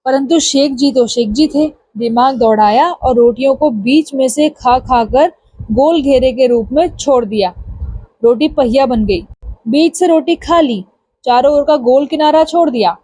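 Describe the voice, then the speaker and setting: Brief: female storyteller for an audio story library; even narration, dry close sound. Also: high-pitched, unhurried, no echo.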